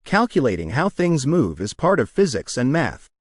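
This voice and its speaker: A man reads standalone test sentences aloud for dictation practice. His mid-range voice moves in an animated way and his words are carefully pronounced. The recording is close and dry. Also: medium pitch, normal speed, slightly rough, no echo.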